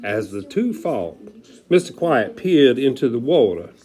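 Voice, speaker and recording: A man's voice: medium pitch, sing-song, a little slow, a little mellow. A man reading a children's book dramatically, in a folksy, theatrical way with chatty asides. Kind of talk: animated dramatic read-aloud.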